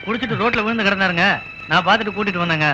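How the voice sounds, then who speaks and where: A man's voice: high voice, rapid-fire, sharp tone. An actor playing a helpful man who brings a drunk home, urgent and polite. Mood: urging. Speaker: film character. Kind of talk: film dialogue. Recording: dull film audio with music.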